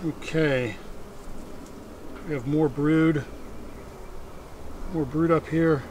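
A middle-aged beekeeper and vlog host narrates casually while working a hive in a wooded yard, folksy, as if talking to himself. His fairly high voice is steady, extremely slow and a little mellow, and the outdoor audio carries clear background noise and buzzing insects.

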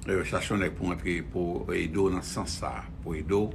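A man's voice: low-pitched, fairly even intonation, moderate pace, creaky, background noise. A man with a Haitian accent giving rambling news commentary, repeating phrases and using many fillers.

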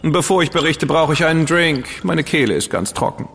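An actor playing a witty, decadent dandy detective's partner in a German radio drama, flippant and ironic. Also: male voice, fairly high pitch, fairly quick, a bit bright, big-room sound, a little hiss or hum. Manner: flippant, ironic, self-satisfied.

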